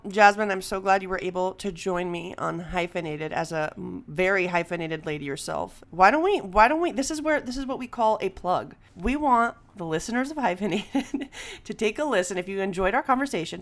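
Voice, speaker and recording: A woman hosting a podcast in casual conversation, telling stories in an animated way with frequent chuckles. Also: medium pitch, brisk. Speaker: podcast host.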